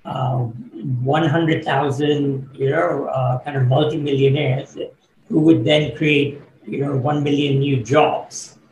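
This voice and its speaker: A middle-aged man, born in Kenya and raised in the UK, answering interview questions as a business coach in a thoughtful, measured way with fillers. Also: mid-range voice, level tone, a little mellow. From born in Kenya, grew up in the UK. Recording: echoey room, faint background noise.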